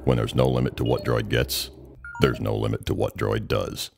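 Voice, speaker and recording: Confident trailer-style ad announcer, played by a man, rock-bottom pitch, over a music bed. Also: steady tone, normal speed, gravelly, no echo, full character voice. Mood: cool, punchy. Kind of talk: scripted commercial voice-over.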